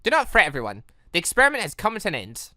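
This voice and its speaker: A woman voicing an earnest, clinical robot girl in a game, with precise, formal, measured speech. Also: on the low side, wildly swooping pitch, bright, forceful tone, dry recording, clean studio sound, exaggerated voice.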